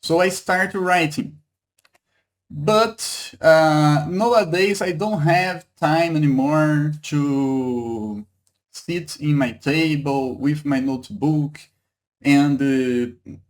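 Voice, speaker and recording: Slow, halting Brazilian man teaching. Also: on the high side. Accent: Brazilian Portuguese. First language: Portuguese. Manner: halting, repeats words, asks "okay?" and "right?" often. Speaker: Hebrew teacher. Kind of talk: online language lesson.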